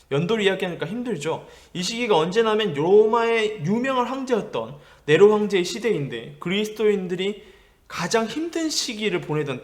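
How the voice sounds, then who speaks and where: High-voiced young pastor preaching gently. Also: male voice. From Gyeongsang region. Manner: gentle storytelling with questions to listeners. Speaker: youth pastor. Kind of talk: sermon to middle schoolers.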